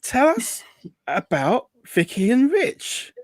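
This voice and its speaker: A man's voice: very high-pitched, huge pitch swings, slow, dry recording. A man hosting a casual online chat show, reading out viewer comments with lots of fillers over a video call. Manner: chatty, reads out viewer comments, many fillers. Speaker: host.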